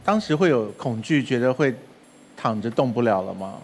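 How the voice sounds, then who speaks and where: A man's voice: mid-range voice, animated, moderate pace, soft background music. A man co-hosting the interview, asking friendly and sometimes teasing questions.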